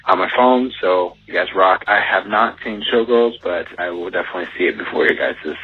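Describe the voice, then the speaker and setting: A man's voice: sits low, fairly quick, husky. A man leaving a rambling voicemail for a podcast, full of fillers. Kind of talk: casual voicemail. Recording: tinny phone voicemail.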